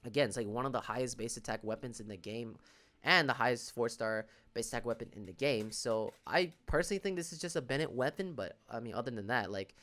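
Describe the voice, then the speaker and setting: A man's voice: medium pitch, lively intonation, quick pace, fairly bright tone. A man giving casual, emphatic gaming commentary as a video creator, often repeating words for stress. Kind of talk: casual reaction commentary on game banners.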